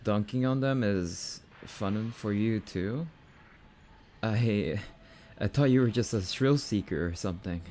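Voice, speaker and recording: Man voicing a young catboy boyfriend, unhurried, halting stammer, bashful, bratty but sweet, ASMR roleplay, noticeable background noise. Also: on the low side, warm tone. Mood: soft, tender.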